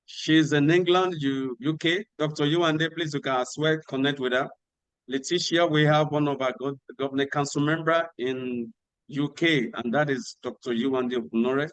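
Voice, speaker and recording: A man hosting an online workshop on a video call, giving instructions and repeating key details slowly. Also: on the high side, steady tone, clean tone, no room sound, low-quality recording. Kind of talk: announcements at an online meeting.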